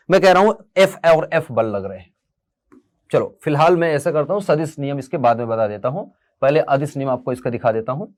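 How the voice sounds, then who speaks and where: A man with a fairly high voice gives a classroom physics lesson. He explains step by step, with a north Indian Hindi accent. He keeps asking his students questions and calls them "beta". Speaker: physics teacher. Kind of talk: classroom lecture.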